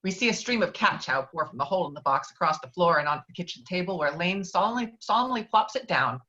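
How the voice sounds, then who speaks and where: A woman's voice: fairly low pitch, expressive, fast, sharp tone. A woman reading out screenplay stage directions as the narrator of an online table read. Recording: dull, lo-fi online call audio.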